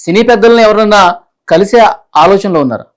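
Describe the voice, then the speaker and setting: Woman reporter doing a phone interview, super quick talker, polite. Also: medium pitch.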